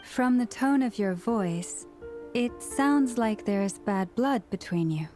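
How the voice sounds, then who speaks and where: Casting: calm game priestess, formal and measured, fairly high voice. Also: female voice, soft background music. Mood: calm inquiry. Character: serene, formal young priestess. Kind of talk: video game voice acting.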